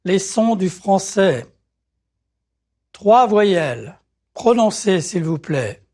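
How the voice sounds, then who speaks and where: A speaker giving slow, carefully articulated French words and drills for learners to repeat. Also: medium pitch, big pitch swings, warm tone. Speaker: French pronunciation model speaker. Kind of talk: slow drilled language-lesson prompts.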